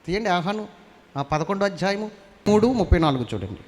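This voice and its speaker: A man's voice: high voice, expressive, a little fast, darkish tone. A male pastor preaching a sermon, constantly questioning the congregation and climbing to fervent emphasis in a church hall.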